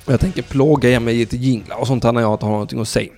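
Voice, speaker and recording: A man's voice: medium pitch, fairly even intonation, darkish tone, faint music behind. A man hosting a call-in show on his own, rambling, sarcastic and profane as he talks straight to his listeners and the chat. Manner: addresses listeners and chat directly. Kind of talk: casual solo call-in radio monologue.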